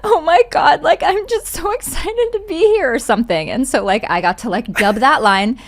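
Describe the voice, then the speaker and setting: A young woman, a voice actor and singer, chats casually as a podcast guest, her high voice lively in intonation at a moderate pace. She tells anecdotes in a giggly, talkative way, filling her speech with "like."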